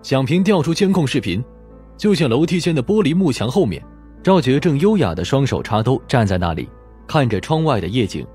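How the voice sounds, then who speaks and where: Animated male audiobook narrator over faint music. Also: medium pitch, fairly quick. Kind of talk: scripted dramatic narration of a crime novel.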